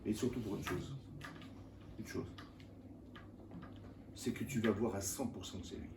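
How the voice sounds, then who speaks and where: Animated rabbi teaching in an echoey room. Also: male voice, lowish voice, unhurried. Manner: colloquial and animated, firing rhetorical questions at listeners. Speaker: rabbi teaching a Torah class. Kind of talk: informal Torah lesson to a live audience. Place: lecture room with live audience. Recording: echoey room, mic at a distance, faint background noise.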